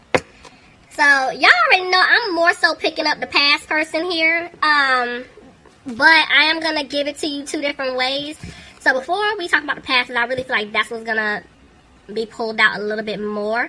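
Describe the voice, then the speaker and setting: A woman speaks in a raised, projected voice at a high pitch and a moderate pace. Her intonation is lively, and there is noticeable background noise. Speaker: tarot reader. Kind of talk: tarot reading. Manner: casual, conversational.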